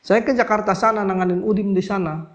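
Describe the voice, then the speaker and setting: Middle-aged male healer, interview storytelling; lively quoted voices, sinks low and soft when recalling hardship. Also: brisk, a little hiss or hum. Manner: animated, acts out quoted voices, voice drops when recalling crying. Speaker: alternative healer. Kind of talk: emotional personal storytelling.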